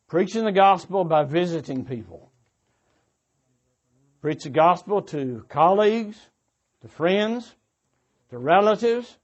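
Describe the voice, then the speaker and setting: A preacher with a fairly high, slightly mellow voice earnestly exhorts his congregation at a church meeting. He speaks a little haltingly, restating phrases as he goes, and the sound is slightly muffled and dull.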